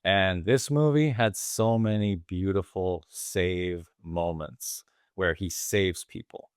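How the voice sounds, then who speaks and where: A man's voice: low-pitched, slow, smooth, no room sound, studio quality. A man co-hosting a movie podcast, eagerly retelling film scenes at length in casual chat. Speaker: podcast co-host.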